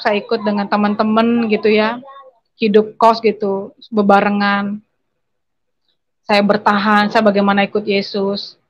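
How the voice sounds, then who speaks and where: A woman giving an earnest personal testimony over a video call, speaking straight to her listeners. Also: fairly high pitch. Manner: earnest, addresses listeners as brothers and sisters.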